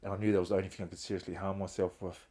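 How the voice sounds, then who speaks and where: A middle-aged founder of a reintegration trust appears as a podcast guest, earnestly and openly recounting his hard times. His low, dark, husky voice keeps a level tone while he talks very fast.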